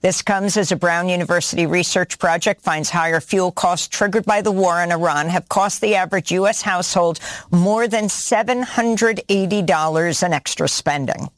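A woman anchoring a news broadcast, reading scripted headlines in a steady, even-toned way. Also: on the low side, moderate pace, no room sound. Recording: dry studio voice.

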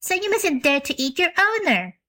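A woman voicing a bold, bossy little girl in a storybook reading, with a high, insistent voice. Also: big pitch swings, normal speed, sharp tone, heavily acted.

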